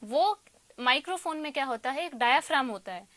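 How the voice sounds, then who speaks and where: High-pitched Indian woman tutor. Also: expressive, a little fast, a bit bright, no echo. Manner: didactic, poses questions then answers them. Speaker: electronics tutor. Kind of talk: explanatory lecture mixing Hindi and English.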